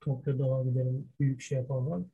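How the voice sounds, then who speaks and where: A man's voice: mid-range voice, level tone, fast talker, breathy edge, narrow, tinny audio. A man co-hosting a casual discussion, speaking self-admittedly poor Turkish, often searching for words and slipping in English terms. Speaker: podcast co-host. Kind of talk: casual wrestling history discussion.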